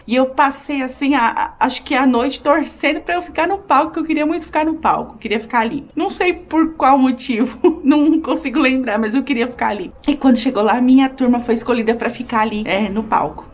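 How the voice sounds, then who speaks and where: A woman vlogger telling a childhood story to camera in a casual, animated way, with many fillers. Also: on the high side, a little hiss or hum. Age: adult. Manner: animated, frequent fillers, acts out shouting.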